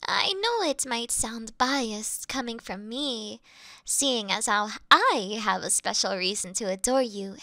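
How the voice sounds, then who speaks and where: A woman voicing a flirty yandere female demon familiar who speaks to her mistress in a soft, adoring, sweetly fanatical way. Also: on the high side, dry recording, exaggerated voice. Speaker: voice actress in audio roleplay. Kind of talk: scripted audio roleplay.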